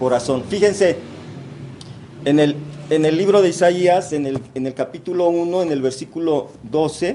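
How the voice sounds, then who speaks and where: There is audible room echo and noticeable background noise. A man with a fairly high voice speaks fairly slowly with ordinary pitch variation and long, frequent pauses. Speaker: preacher. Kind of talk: sermon.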